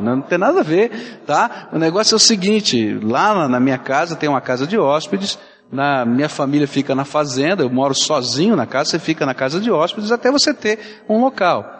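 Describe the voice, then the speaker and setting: Brazilian pastor guy preaching, kinda high voice, echoey church hall. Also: fairly quick. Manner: animated storytelling, acting out quoted voices. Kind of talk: sermon.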